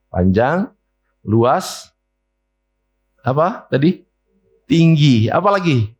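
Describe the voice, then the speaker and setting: A man, preaching a sermon in a church, often asking the congregation questions and mimicking complaints in a higher voice. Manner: mimics whiny complaints in a high voice. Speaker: pastor. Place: church hall.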